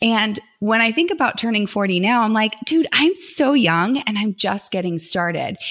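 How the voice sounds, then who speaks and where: A woman talks at a moderate pace with hardly any pauses, her fairly high pitch swinging very widely. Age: 30s. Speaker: fitness professional. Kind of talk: interview.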